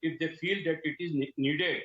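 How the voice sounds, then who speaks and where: A man with a slightly high voice answers haltingly as a debate guest. His sound is dull and roomy, like a remote line. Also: steady tone. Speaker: party spokesperson, debate guest.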